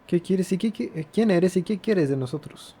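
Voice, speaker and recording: A man reads game dialogue choices for his let's play in an informal, offhand way. His voice is mellow and on the high side for a man, and he talks quickly. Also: animated, a little hiss or hum. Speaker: gaming video host.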